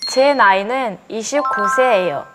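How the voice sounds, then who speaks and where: A woman's voice: fairly high pitch, a little slow, music in the background. A woman in her twenties, a language student, answering carefully in class practice. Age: 20s. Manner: careful, steady learner speech.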